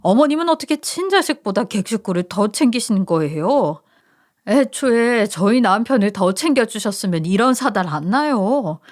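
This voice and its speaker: A woman's voice: medium pitch, expressive, normal speed, close to an everyday voice. A woman voicing a resentful sister-in-law who blames her mother-in-law in a radio story. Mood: accusing. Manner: accusing, whiny.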